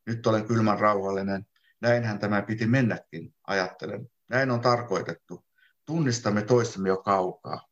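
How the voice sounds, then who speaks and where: A man reading his own literary text aloud in a calm, measured first-person narration. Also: on the low side. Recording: dull lo-fi sound.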